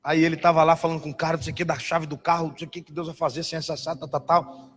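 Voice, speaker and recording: A man preaching a sermon as a pastor, telling a story in an animated, dramatic way and mimicking other voices. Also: a little high, racing, slightly rough. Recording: reverberant hall.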